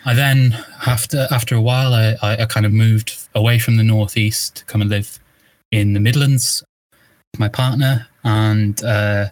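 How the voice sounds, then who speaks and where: A man's voice: on the low side, steady tone, normal speed, dry recording. A young man from northeast England, a guest in an interview, talking casually and thoughtfully with many restarts and ums. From Newcastle, northeast England. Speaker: guest, video essay narrator.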